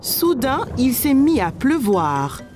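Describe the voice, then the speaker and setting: A woman reading scripted narration for a children's story, telling it clearly for young listeners. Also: high-pitched, sing-song, slow pace, a little mellow, slight background noise.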